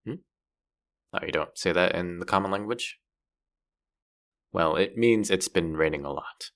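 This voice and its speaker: Guy doing a cocky fantasy rogue for roleplay audio, really deep n gravelly, bratty street rat, teasing and sweary. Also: measured pace. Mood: playful banter. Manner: teasing, foul-mouthed, sardonic banter. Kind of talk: character roleplay audio drama spoken to the listener.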